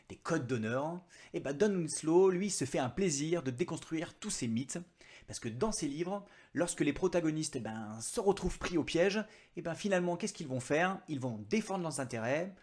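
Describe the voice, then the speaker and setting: A man's voice: a little high, a little mellow. Chatty French book vlogger, man. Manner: chatty, self-mocking asides. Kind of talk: casual book review vlog.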